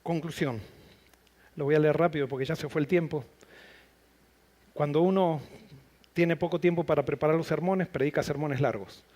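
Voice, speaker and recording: A man with a high voice preaching a sermon. He builds his points through repeated phrases and rising emphasis, and he also slows into quieter, reflective stretches. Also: fairly even intonation. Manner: quieter, reflective and slow in the closing appeal.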